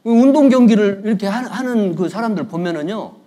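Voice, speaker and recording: Here the visiting pastor sounds high-pitched and dark-toned, expressive and brisk. He jokes and tells stories in his conversational sermon in the sanctuary, middle-aged and forever prompting the congregation to answer.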